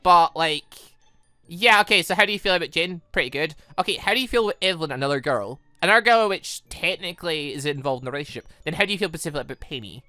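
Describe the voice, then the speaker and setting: Woman, gaming host, lowish pitch, animated delivery, excitable, dry close sound. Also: fast talker, no room sound, faint music behind. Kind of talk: let's play commentary with read-aloud dialogue.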